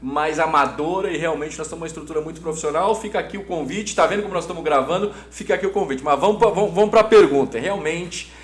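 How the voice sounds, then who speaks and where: Higher-voiced Brazilian man in a roomy, humming space. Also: fast talker, few pauses. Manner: enthusiastic, emphatic, repeats words. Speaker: interview guest, hotel business executive. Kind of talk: conversational interview answer. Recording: roomy echo, audible background hum.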